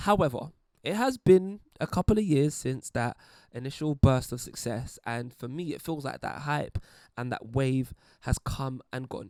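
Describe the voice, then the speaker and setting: A British accent at a moderate pace. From London, England. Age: 20s. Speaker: presenter and cultural commentator. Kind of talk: video essay commentary. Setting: sitting in bed.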